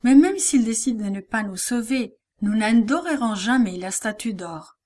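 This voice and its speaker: A woman's voice: a little high, lively intonation, moderate pace, dark tone. A woman voicing three defiant young men who answer a king firmly in a storybook reading.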